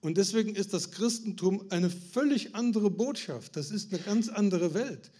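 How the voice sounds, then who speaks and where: A man with a somewhat high voice delivers a sermon to his congregation. He puts questions to them, builds up emphasis and restarts words as he goes. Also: moderate pace, dark tone. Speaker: preacher.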